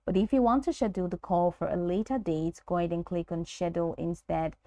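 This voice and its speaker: A woman presenting a step-by-step software tutorial in an instructional manner, reading from a script with the occasional stumble. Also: fairly low pitch, fairly even intonation, quick pace, no echo, clean studio sound.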